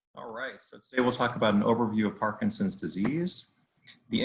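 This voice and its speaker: Somewhat breathy, a man talks at a medium pitch with lively intonation. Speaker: neurologist, movement disorder specialist. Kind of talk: lecture. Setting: video call webinar. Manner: fast.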